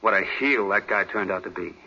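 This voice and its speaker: A man's voice: fairly low pitch, brisk, creaky, pushed and bright, slightly rough, exaggerated voice. An American actor playing a bitter, boastful, resentful young man in a 1940s radio drama. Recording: muffled vintage 1940s radio recording.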